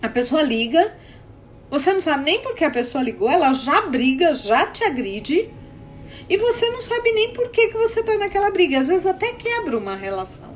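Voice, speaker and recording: Woman, therapist, high-pitched, very expressive intonation, storytelling with quoted dialogue, faint background noise. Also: normal speed. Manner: animated retelling with acted dialogue and frequent checks like "tá?". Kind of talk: Instagram live talk with anecdotes.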